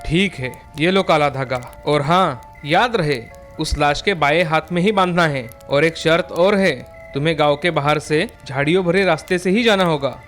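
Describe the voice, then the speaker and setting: A woman voicing a stern, shrewd old village elder who scolds and explains in a gruff low voice. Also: moderate pace, soft background music, close to an everyday voice.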